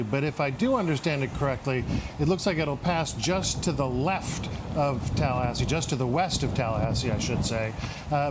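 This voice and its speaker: An American man anchoring live breaking news without a script, halting and repeating words as he goes. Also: medium pitch, noisy background.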